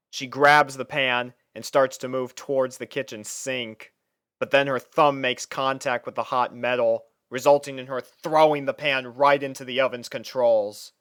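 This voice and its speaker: Expressive man reading a story, smooth clear voice. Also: mid-range voice, dry recording, clean studio sound. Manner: expressive, theatrical delivery with sighs. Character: exasperated young male student narrating his life with a roommate. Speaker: fan fiction reader. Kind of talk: dramatic first-person story narration.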